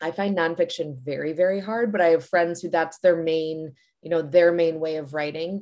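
In a plain, everyday voice, a woman with an American accent speaks at a moderate pace, her pitch fairly low and her intonation fairly even. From US Midwest, Chicago North Shore suburbs. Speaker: novelist and creative writing teacher. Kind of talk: interview conversation.

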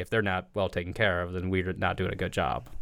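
In a very clean recording with a silent background, a man with a Midwestern American accent and very deep, low pitch talks at a fairly quick pace. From southern Illinois (O'Fallon). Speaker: cat café co-owner. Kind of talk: radio interview. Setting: studio.

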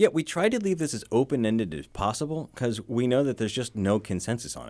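Lively intonation runs through a man's very fast speech. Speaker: radio news director and host. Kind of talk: radio news show hosting and interviewing. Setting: studio.

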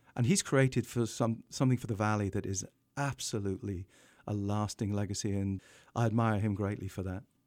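At a fairly quick pace, a man talks with a fairly low pitch and fairly even intonation. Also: very clean recording, silent background. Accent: English. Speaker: marketing consultant. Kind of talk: interview. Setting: radio studio.

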